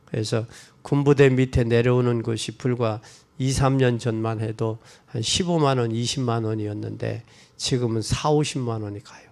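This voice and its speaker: A man's voice: mid-range voice, steady tone, normal speed, gravelly, few pauses, darkish tone. A man preaching a sermon, asking the congregation questions and answering them himself, raising his voice when quoting scripture. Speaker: pastor.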